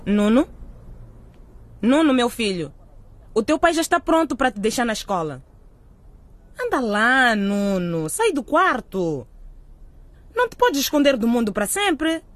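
A woman's voice: fairly high pitch, big pitch swings, measured pace, pauses often, no room sound. A woman playing an emotional, exasperated middle-aged mother of a teenage son in a radio drama. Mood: coaxing.

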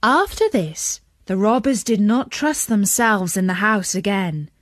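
A woman narrating a children's story in an expressive, dramatic storytelling manner. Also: mid-range voice, unhurried, no echo, studio quality.

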